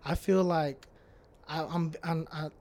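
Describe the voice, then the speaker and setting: Podcast guest: man, early thirties, fairly high voice, loose and rambling, swears a lot. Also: steady tone, slow, a little mellow. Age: 30s. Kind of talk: casual chat.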